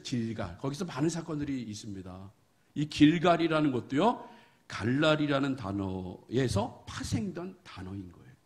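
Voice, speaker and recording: A middle-aged male pastor preaching a sermon, telling folksy stories, acting out bits of dialogue and building to emphatic, forceful points. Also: fairly high pitch.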